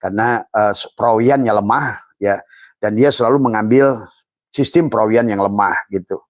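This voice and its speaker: A man's voice: lowish voice, moderate pace, no room sound, studio quality. An older man, an Islamic preacher, giving a rambling religious teaching talk with many fillers and restarts, quoting Arabic phrases.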